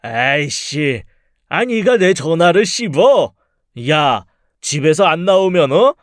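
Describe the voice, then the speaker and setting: A man's voice: on the high side, sing-song, takes it slowly, no echo, studio quality. A man playing a menacing, money-grubbing father in an audio drama, coarse, mocking and bullying in manner. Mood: threatening rage. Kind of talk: dramatized audio story acting.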